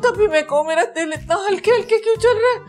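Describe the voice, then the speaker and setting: A wailing, high-voiced old mother. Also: lively intonation, normal speed, soft background music. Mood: panicked. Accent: Pakistani Urdu. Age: older. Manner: wailing, theatrical complaining. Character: melodramatic old mother, hypochondriac, bossy and wailing. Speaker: ailing mother-in-law. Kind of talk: sitcom acting.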